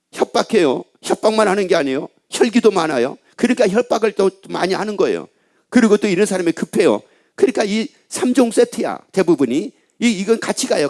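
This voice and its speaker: A middle-aged man preaching a sermon as pastor, telling a story with lively asides and questions to the congregation. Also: high voice, vocal fry.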